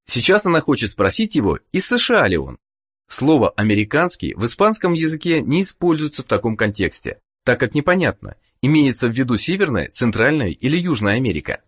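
Lively instructional course narrator. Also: mid-range voice, fairly quick, breathy edge. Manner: calm, instructive prompting.

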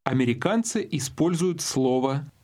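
Man, husky voice, higher pitch, lively intonation, language course narrator. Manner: slow, deliberate instructions with clear prompts. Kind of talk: scripted language lesson narration.

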